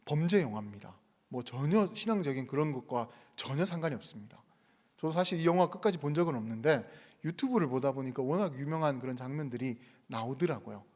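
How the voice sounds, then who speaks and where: A man's voice: medium pitch, lively intonation, fast talker, darkish tone, big-room sound. A male pastor preaching a sermon, chatty and storytelling at first, then earnest and urging. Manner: conversational storytelling, rising to earnest exhortation. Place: church sanctuary.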